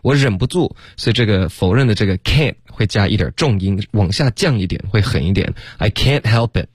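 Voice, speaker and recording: A man co-hosting a radio English lesson, explaining how to shape the lips and modelling phrases slowly. He laughs often between explanations. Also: on the low side, expressive, husky, no room sound, clean studio sound. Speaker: English pronunciation teacher, co-host. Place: radio studio.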